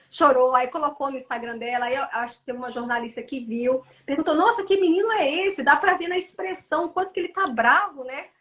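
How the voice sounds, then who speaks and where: Fast-talking, high-voiced Brazilian woman. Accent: Brazilian Portuguese. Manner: animated, indignant storytelling. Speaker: children's book author. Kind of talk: casual interview over a live stream.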